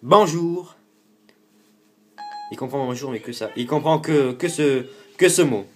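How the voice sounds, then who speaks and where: A man's voice: mid-range voice, moderate pace, a little mellow. A man from France hosting a casual tech tutorial, rambling and correcting himself, with the odd swear word. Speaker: tutorial host.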